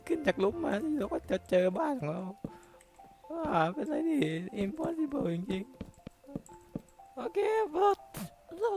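A jumpy, excitable young game hero with a piercing, very high squeak. He talks his way through every step and blurts out yelps and curses whenever something startles him. Faint music plays underneath. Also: slow, long pauses, exaggerated voice. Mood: excited. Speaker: game caster. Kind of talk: playing and narrating a block-building game in a put-on voice.

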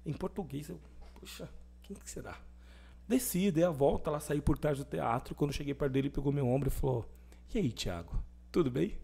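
A young adult man speaking as a podcast guest, his voice sitting a little high for a man. He tells his story with energy and plays out the lines of the people in it as he goes. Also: quick pace, gravelly, breathy edge. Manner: animated testimony, acting out quoted dialogue. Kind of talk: conversational storytelling.

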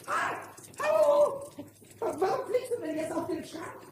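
A man voicing a small, cheeky, impulsive kobold in a children's radio play, squeaky and stammering with repeated words. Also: very animated, measured pace, full character voice. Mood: flustered, bossy. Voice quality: squeaky, high-pitched. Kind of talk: 1970s German children's radio play acting. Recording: noisy old vinyl radio-play recording.

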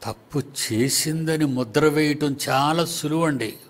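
A man's voice: on the high side, measured pace. A man preaching a sermon to his congregation, teasing the listeners with rhetorical questions.

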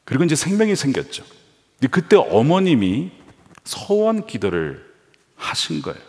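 A male pastor preaching a sermon with animated delivery, acting out the voices he quotes. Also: mid-range voice, moderate pace. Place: large church sanctuary. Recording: reverberant church hall.

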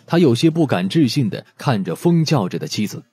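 A man's voice: mid-range voice, big pitch swings, fairly quick, darkish tone, husky, dry recording, faint music behind. A man narrating a scripted audiobook story expressively.

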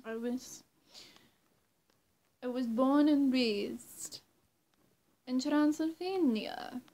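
Young woman playing a slow, high-voiced coy vampire. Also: warm tone. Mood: musing, friendly. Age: young adult. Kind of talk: roleplay addressed to the listener. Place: small bright bedroom, indoors. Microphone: camera mic at arm's length or closer.

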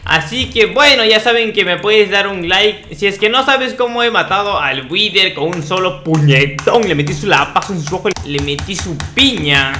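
A young man, talking over a game, joking and shouting at enemies. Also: sits high, normal speed, few pauses, a little hiss or hum. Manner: excitable, shouting at enemies, comic. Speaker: gaming youtuber. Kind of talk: playing a game.

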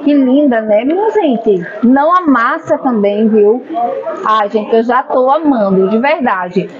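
A woman with a Brazilian accent, in her thirties, gushes over shirts in a clothing shop with a high, bright voice. The sound is a bit muffled, and a busy market crowd murmurs loudly behind her. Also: expressive, a little slow. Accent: Brazilian Portuguese. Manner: gushing, keeps calling viewers "minha gente". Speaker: vlogger showing a clothing wholesaler. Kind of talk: enthusiastic sales vlog.

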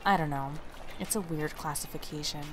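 A woman's voice: sits low, brisk, noisy background, lightly acted. A woman playing a wary, suspicious, blunt friend in an audio drama, talking casually and sardonically. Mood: explaining.

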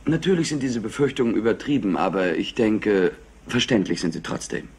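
An actor playing a clever, flippant and somewhat highly strung nephew in a crime drama, mocking and impatient. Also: male voice, a little fast, a little mellow, husky. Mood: explaining. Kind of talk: dubbed TV crime drama acting.

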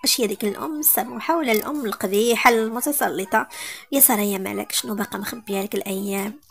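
Fast-talking Moroccan woman storyteller. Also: medium pitch, creaky. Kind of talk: narrating a romance story.

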